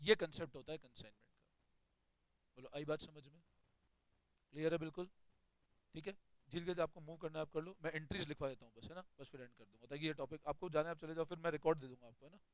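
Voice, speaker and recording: A man's voice: a little high, fast, pauses often, no echo, low-quality recording. A man teaching an accounting class, explaining step by step and questioning his students as he goes. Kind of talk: classroom lecture.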